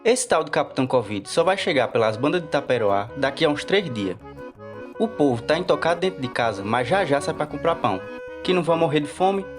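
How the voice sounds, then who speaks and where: A man's voice: fairly high pitch, sing-song, brisk, over music. A man playing a cocky, wily, poor bakery worker in a radio soap, brash and colloquial, with a Northeastern Brazilian accent. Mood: sly, scheming. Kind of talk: radio soap opera acting.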